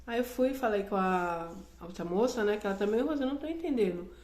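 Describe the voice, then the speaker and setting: A woman's voice: mid-range voice, animated, quick pace, a little mellow, roomy sound. A woman giving a personal Christian testimony, telling the story earnestly and acting out the dialogue.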